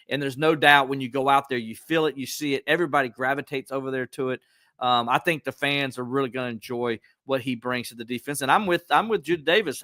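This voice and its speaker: A man's voice: no room sound, studio quality. A man hosting a casual sports podcast, talking animatedly and acting out quotes. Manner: animated, acts out quotes with pitch jumps.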